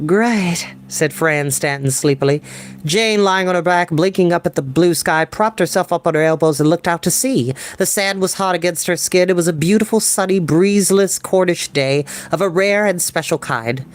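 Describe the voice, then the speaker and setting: A young adult man reading a novel aloud as storyteller, in expressive audiobook-style narration. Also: high-pitched, normal speed, a little hiss or hum. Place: small room at a desk. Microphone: desk microphone.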